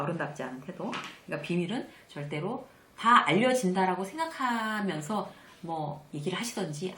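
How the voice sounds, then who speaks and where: A woman giving a conversational lecture on workplace manners, acting out the quoted lines in a lively, chatty way. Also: fairly low pitch, reverberant, a little hiss or hum.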